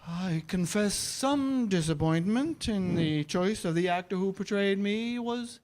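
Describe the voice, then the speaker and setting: A man's voice: high-pitched, animated, unhurried, a little mellow. A man playing a dignified, mildly vain priest, formal and dryly aggrieved, in a comedy staged reading. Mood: mildly disappointed.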